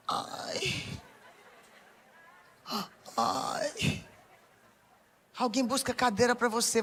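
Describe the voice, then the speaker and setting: A woman with a Brazilian Portuguese accent preaching a lively sermon to a women's audience, playful and teasing, speaking straight to the crowd. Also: on the high side.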